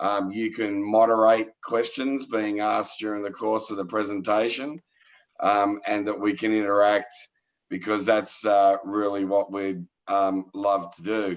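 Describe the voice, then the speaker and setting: A man with a strong Australian accent speaks at a fairly low pitch and fairly slow pace. His intonation is fairly even, and the background is quiet. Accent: broad Australian. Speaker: insurance executive. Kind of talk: business presentation. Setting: video call.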